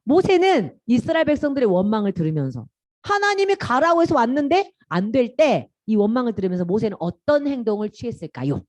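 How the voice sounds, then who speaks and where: Animated woman teaching a children's sermon. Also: a little high, fairly quick, no echo.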